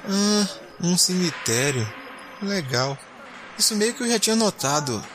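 A man's voice: sits high, sing-song, measured pace, background noise. A man playing a nervous, skeptical space explorer captain in an audio drama, grumbling and stammering when alarmed.

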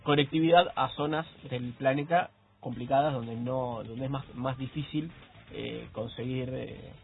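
A man's voice: medium pitch, steady tone, a little slow, creaky. A man with an Argentine accent co-hosting a radio tech show, chatting loosely and joking, often restarting his sentences. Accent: Argentine Spanish. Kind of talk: casual radio chat. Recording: phone-like radio broadcast.

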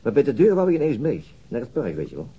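An actor playing a dogged, troubled police detective in a naturalistic radio drama, husky and deliberate, sometimes halting. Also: male voice, medium pitch, wildly swooping pitch, warm tone, muffled recording, full character voice. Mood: troubled, pensive. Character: dogged, troubled male police detective recounting his inquiry.

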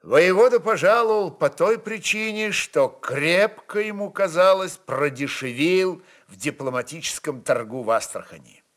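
Expressive male narrator, varied intonation. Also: fairly high pitch, unhurried, few pauses.

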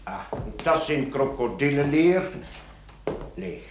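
A man's voice: mid-range voice, animated, slow. A man acting a brusque, probing police inspector in a radio play, muttering asides to himself. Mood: searching, businesslike. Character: brusque male police inspector questioning witnesses. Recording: roomy, faintly noisy old radio recording.

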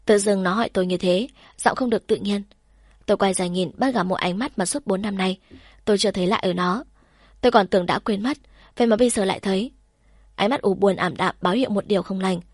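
A woman reading a first-person novel aloud in a calm, steady storytelling manner. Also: mid-range voice, fast talker, no echo, studio quality. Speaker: audiobook narrator.

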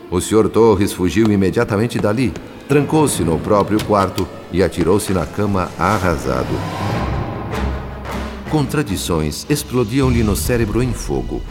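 A man with a Brazilian accent narrating a radio soap opera in a measured, solemn, dramatic way. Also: low-pitched, very animated, in a large hall, music in the background. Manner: measured, solemn, literary phrasing.

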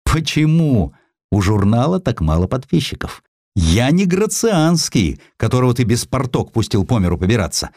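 A man's voice: medium pitch, very animated, moderate pace, darkish tone, no echo, voice pushed up. A man puts on a rude, money-minded publisher for a historical audiobook. He sneers and snaps mockingly, his intonation swinging widely. It is recorded dry and close. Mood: abusive, mocking. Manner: snapping, sneering.

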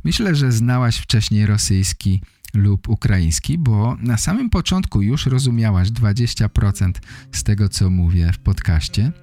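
Slow, mellow male podcast host. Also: fairly low pitch, expressive, dry recording. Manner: deliberate phrasing in short simple sentences. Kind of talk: clear explanatory monologue for language learners.

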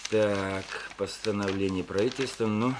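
An actor playing a middle-aged townsman and father, bustling and businesslike, quick to give advice in a radio play. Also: on the low side, fairly even intonation, a little hiss or hum, lightly acted. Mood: brisk. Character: brisk middle-aged townsman, head of family.

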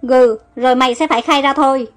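A woman voicing a gruff male army captain who barks orders. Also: high voice, fairly even intonation, fast talker, soft background music, lightly acted. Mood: alarmed. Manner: barking orders.

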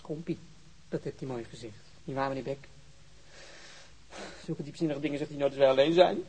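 An actor playing a jovial working-class body removal worker in a radio play, with a folksy, teasing, colloquial way of talking. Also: male voice, mid-range voice, brisk, warm tone, husky. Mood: amused, teasing. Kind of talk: Dutch radio play acting. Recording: noisy old radio drama recording.

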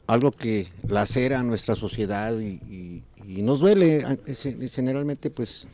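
A man's voice: mid-range voice, lively intonation, a little slow, warm tone. A Mexican man hosting a casual talk show, rambling with many fillers and restarts. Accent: Mexican Spanish. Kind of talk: casual radio chat.

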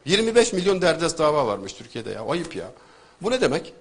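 A man giving a conversational religious and literary talk, telling anecdotes with rhetorical questions and sudden loud emphasis. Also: fairly high pitch, big pitch swings, brisk, creaky, breathy edge.

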